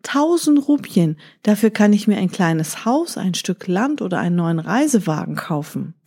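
A woman voicing a wealthy, thrifty male merchant in a storybook reading, doubtful about a high price. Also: expressive, normal speed, gravelly, dark tone, breathy edge, heavily acted.

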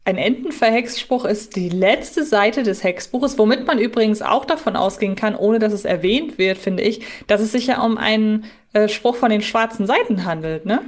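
A woman's voice: medium pitch, moderate pace, hardly any pauses. A woman co-hosting a podcast, chatting analytically in a questioning, reflective way. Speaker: podcast co-host. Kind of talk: analytical casual podcast chat.

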